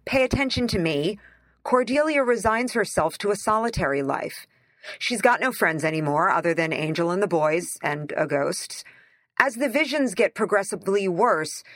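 A woman's voice: mid-range voice, dry recording. A woman reading a scripted opinion essay in a conversational, wry way with emphatic phrasing. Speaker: essayist reading their own article aloud.

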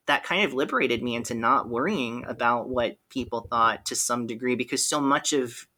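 A man with a bright, forceful voice, talking candidly and articulately as a podcast guest. He tells his stories in an animated way and often breaks into laughter. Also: medium pitch, normal speed. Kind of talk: candid conversational storytelling.

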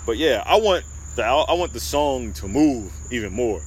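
A young man hosting a casual hip-hop chat, animated and profane, often talking over others. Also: medium pitch, normal speed, slight background noise. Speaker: podcast host.

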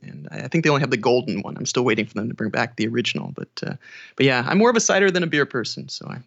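A man's voice: medium pitch, very animated, rapid-fire, vocal fry, fairly bright tone, dry recording. American man, dull lo-fi dry recording. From Los Angeles, US. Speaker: podcast guest, audiobook narrator. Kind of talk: casual chat.

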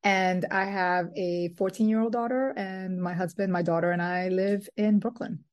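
A woman from the Dominican Republic answering interview questions in a thoughtful, measured way. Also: medium pitch, fairly even intonation, darkish tone. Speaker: guest, business executive.

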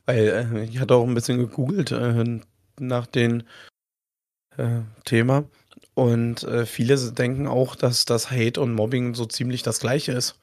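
Hoarse hesitant man. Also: medium pitch, level tone, unhurried, a little mellow, dry recording, clean studio sound. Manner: hesitant, many fillers, reads from notes. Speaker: podcast co-host. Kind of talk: casual podcast chat.

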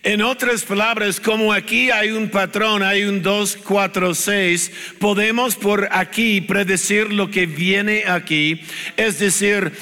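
A man's voice: high-pitched, bright, forceful tone. An older man preaching a sermon as pastor, emphatic and repetitive, in a large church hall. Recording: long hall reverb with faint music.

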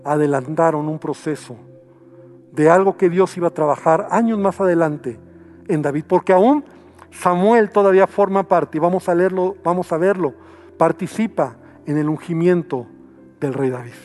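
A man's voice: a little high, normal speed, a little mellow, faint music behind. A male pastor preaching a sermon, acting out quoted voices as he goes.

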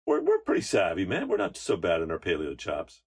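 A man's voice: brisk, slightly rough, faint music behind. A man co-hosting a podcast, talking in a loose, chatty way and introducing a guest. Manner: loose and chatty, rises high when excited. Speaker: podcast co-host. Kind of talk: casual podcast chat.

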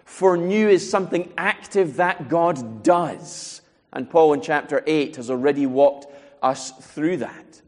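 A man's voice: fairly high pitch, unhurried, big-room sound. A man preaching a sermon, earnest and asking rhetorical questions as he works through a Bible passage.

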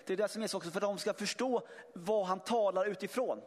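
Guy preaching a sermon, high voice, lots of restarts, echoey church hall. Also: a little mellow. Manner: emphatic, with many restarts and sudden swells in volume. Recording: long hall reverb.

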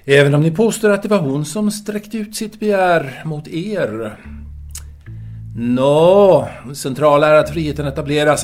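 Male actor, audio drama, earnest intellectual philosopher, slightly high voice, discursive, pedantic, deliberate, music behind. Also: close to an everyday voice. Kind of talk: audio drama letter monologue and dialogue.

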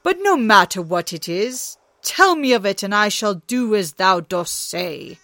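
A woman voicing a proud, hot-tempered male thunder god in a storybook reading, speaking slowly and indignantly. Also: mid-range voice, animated, dry recording. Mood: grudging. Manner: indignant, outraged, slow and loud.

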